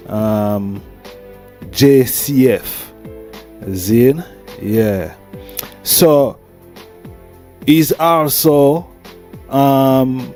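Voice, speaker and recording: A Jamaican man hosts a programme in Rasta speech, full of reverent greetings. His delivery is slow and measured, with a soft, mellow tone, and music plays behind him. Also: mid-range voice. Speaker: host. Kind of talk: talk show hosting in Rasta speech.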